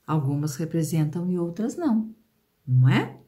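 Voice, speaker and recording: A Brazilian Portuguese-accented woman teaching children, sounding out words slowly and prompting the class with questions. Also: sits low, sing-song, warm tone. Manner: slow, drawn-out pronunciation of example words; questions and prompts aimed at pupils. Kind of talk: video lesson for children.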